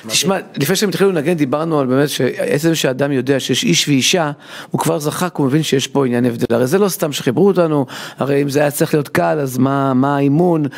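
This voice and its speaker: A man hosting a TV talk show, asking the guest questions and agreeing with short interjections. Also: on the high side. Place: television studio.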